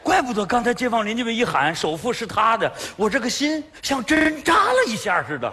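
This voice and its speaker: A desperate, wheedling northeastern son-in-law. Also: male voice, extremely high pitch, big pitch swings, a little fast, big-room sound, full character voice. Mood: mocking. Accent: Northeastern Mandarin. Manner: wheedling, overdramatic. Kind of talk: stage comedy sketch acting. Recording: loud studio audience laughter and noise.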